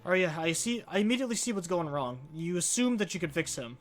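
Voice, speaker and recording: Casting: male let's play streamer, slightly high voice, conversational and wry, faint music behind. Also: big pitch swings, fast talker. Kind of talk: casual game commentary. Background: game music.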